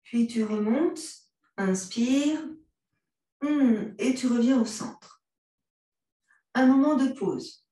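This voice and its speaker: Woman, French accent, yoga teacher, slow unhurried cues, mellow tone, very echoey room, distant from the mic. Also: fairly high pitch. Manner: calm, gentle cues, mixes vous and tu. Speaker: yoga instructor. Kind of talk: guided yoga class instruction.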